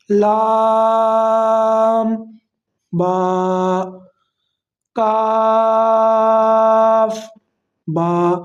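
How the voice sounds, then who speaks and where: A patient teacher leads an online Quran reading lesson, explaining calmly one point at a time. Recited letters are drawn out long and slow. The talk mixes in English words. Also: medium pitch, lo-fi sound. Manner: draws out each recited letter slowly.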